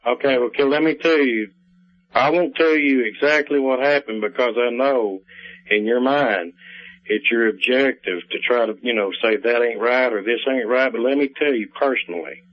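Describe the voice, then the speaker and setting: A man's voice: medium pitch, moderate pace. A man calling in to a radio show, preaching insistently about his faith. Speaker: caller. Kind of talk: phone-in argument on a radio show. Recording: muffled lo-fi radio call.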